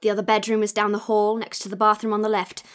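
An actress playing a prim, condescending, reclusive woman in an audio drama, formal, haughty and deadpan. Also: medium pitch, quick pace, natural voice. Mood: icy, condescending. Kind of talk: audio drama acting, dry formal speech.

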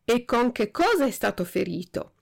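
A woman's voice: fairly high pitch, very animated, moderate pace, gravelly, voice pushed up, heavily acted. A woman voicing a stern male policeman who gives curt commands in a storybook reading.

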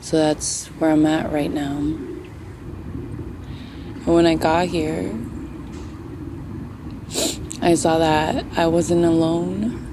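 A woman playing a grieving young grandchild in a hushed, halting, intimate audio fiction monologue. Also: deep voice, steady tone, background noise, full character voice. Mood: tender, grieving.

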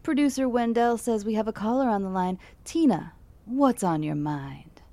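A folksy late-night radio DJ with a gravelly, mellow voice. She talks in easy, chatty on-air patter. The sound is close and dry, with no room around it. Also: on the high side, lively intonation, normal speed, no room sound.

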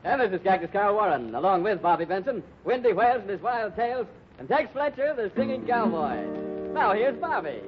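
Lively cowboy radio sidekick. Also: male voice, sits high, brisk. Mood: announcing. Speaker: show co-host and sidekick. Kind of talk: 1950s radio show delivery. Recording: muffled old radio with music.

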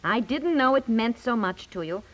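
A woman's voice: fairly high pitch, lively intonation, normal speed, lo-fi sound, lightly acted. A woman playing a practical, exasperated housewife and mother in 1950s radio comedy, coaxing and chiding. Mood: placating. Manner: coaxing, chiding, matter-of-fact.

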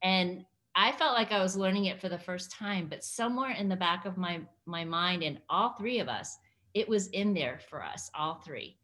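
A woman's voice: fairly low pitch, expressive, moderate pace, fairly bright tone. A woman in her sixties, a guest in a casual interview, telling stories and laughing often. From United States. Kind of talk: casual conversational storytelling.

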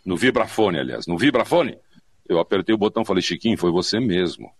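Animated older Brazilian man, lowish voice. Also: fast, background noise. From São Paulo, Brazil. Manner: animated, acts out quoted speech, repeats phrases for emphasis. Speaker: interview guest, veteran of advertising audio and voice work. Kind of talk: casual anecdotal storytelling. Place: remote online conversation.

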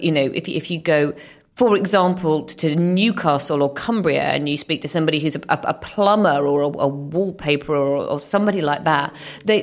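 A woman giving her views in a conversational, opinionated way in a casual panel discussion. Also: low-pitched. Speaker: podcast panellist.

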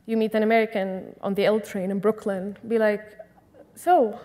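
A woman's voice: medium pitch, level tone, moderate pace, warm tone. Earnest young woman. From Syria. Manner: earnest and impassioned. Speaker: interview guest. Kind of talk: conversational interview.

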